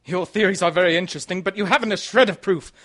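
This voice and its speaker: High-pitched, haughty villain played by a man. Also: fast talker, bright, forceful tone. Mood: defiant, scornful. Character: defiant, smooth-talking male impostor villain, a deserter. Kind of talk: old-time radio mystery acting.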